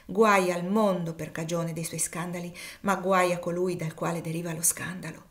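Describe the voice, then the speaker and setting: A woman voicing a calm, pious older man who speaks gently and solemnly. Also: fairly low pitch, moderate pace, close to an everyday voice.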